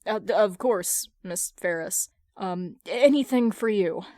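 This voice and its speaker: A woman's voice: mid-range voice, measured pace, mellow, no room sound, clean studio sound, natural voice. A woman voicing a starstruck young female assistant, hesitant, stammering and eager to please, in a story reading. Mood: flustered, starstruck.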